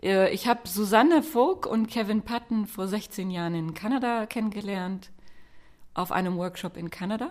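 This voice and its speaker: A woman's ordinary speaking voice at a medium pitch, with ordinary pitch variation and a moderate pace. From Belgium, raised in Germany from age four. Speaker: composer and singer. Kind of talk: interview.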